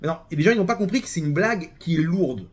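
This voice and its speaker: A man with a French accent giving a casual religious talk, animated and full of restarts and repeated words. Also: on the high side, fast talker, breathy edge.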